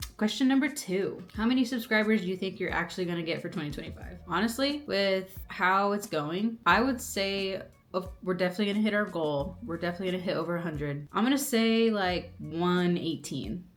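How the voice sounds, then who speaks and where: A woman speaks with lively intonation at a fairly quick pace, hardly pausing at all. Music plays in the background. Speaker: vlogger. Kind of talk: casual chat.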